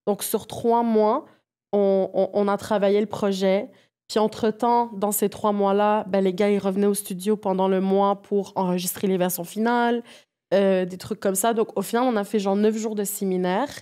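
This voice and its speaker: A woman talks as a guest in a relaxed interview. Her voice is soft-edged and mellow, and she speaks informally, slipping English music terms into her storytelling. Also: mid-range voice, normal speed, clear, resonant tone. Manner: informal, mixes English music slang into French. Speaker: guest, music project producer.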